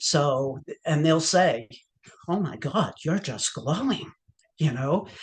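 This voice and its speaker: At a very slow pace with long, frequent pauses, a woman speaks in a very deep, low, somewhat breathy voice with lively intonation. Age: 60s. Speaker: holistic nurse coach. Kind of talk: podcast interview.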